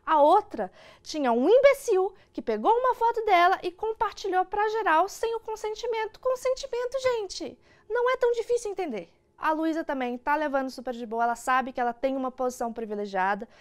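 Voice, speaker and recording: A woman's voice: very high voice, animated, brisk. A young Brazilian woman hosting an online news show, giving casual, opinionated commentary to camera. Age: young adult. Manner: informal, opinionated. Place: indoor studio.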